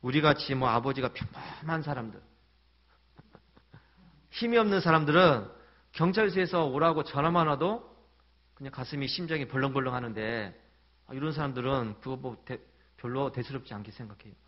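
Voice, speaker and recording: Brief: male pastor, mid-pitched voice, casual storytelling sermon, dull lo-fi church recording. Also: normal speed, long pauses. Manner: conversational storytelling with light humor. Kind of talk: Sunday sermon. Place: church sanctuary.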